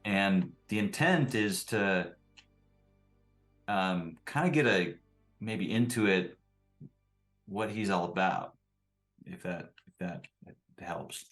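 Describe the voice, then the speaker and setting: A man's voice: low-pitched, slow pace, long pauses, fairly bright tone, faint music behind. A man talking casually as a player in a tabletop role-playing game.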